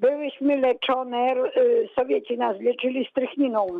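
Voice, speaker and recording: Her voice is high-pitched. The woman speaks at a fairly slow pace. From Lviv region, grew up in the Soviet east. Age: 70s. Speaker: radio caller. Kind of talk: call-in question. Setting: phone call.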